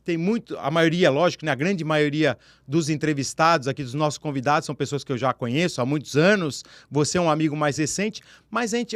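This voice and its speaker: A man's voice: a little high, dry recording. A man hosting a radio interview, chatty and given to long run-on sentences as he introduces and questions his guest. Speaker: radio show host. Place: radio studio.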